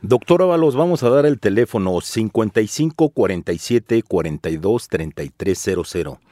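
A man's voice: on the low side, expressive, brisk, mellow, no echo, studio quality. A man with a Mexican accent co-hosting a radio show, reading out phone numbers and promotions in a salesy, friendly way.

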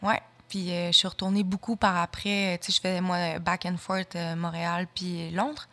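A woman's voice: on the low side, flat delivery, moderate pace, a bit bright. Young Québécois woman chatting casually. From Saguenay, Quebec. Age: young adult. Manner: chatty, lots of fillers. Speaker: guest, fashion model. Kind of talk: casual interview chat.

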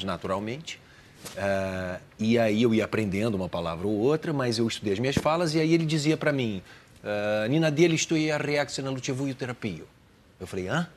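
A man speaks at a middle pitch, thoughtful and a little hesitant, often restarting his sentences while he explains his work. A faint ambience hangs behind him in the recording. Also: a little hiss or hum. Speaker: actor guest. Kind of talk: casual interview talk.

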